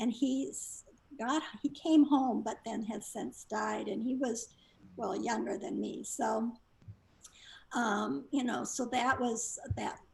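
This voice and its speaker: At a very slow pace, a woman with a fairly high pitch and ordinary pitch variation speaks over noticeable background noise. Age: 70s. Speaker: author and interviewee. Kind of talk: panel discussion. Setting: video call.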